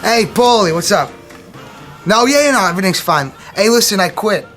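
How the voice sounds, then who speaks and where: A man's voice: sits high, animated, moderate pace, a bit bright. An actor playing a brash young man who bluntly presses about money, over music from a film clip. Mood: incredulous. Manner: blunt, incredulous, impulsive.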